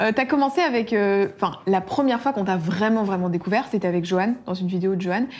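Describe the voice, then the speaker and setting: Her pitch medium and ordinary in its variation, a woman speaks at a very fast pace. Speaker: podcast interviewer and content creator. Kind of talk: casual chat.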